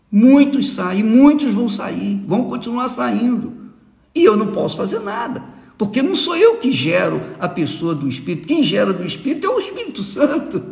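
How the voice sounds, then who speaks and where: A man's high voice with very wide pitch swings at a moderate pace, plus audible room echo and noticeable background noise. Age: 70s. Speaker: preacher. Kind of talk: sermon.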